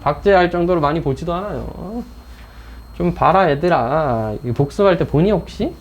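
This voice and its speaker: A man's voice: fairly high pitch, lively intonation, normal speed. A man teaching a math class, joking and teasing his students as he explains. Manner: teasing, chatty, talks straight to students. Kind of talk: classroom lecture.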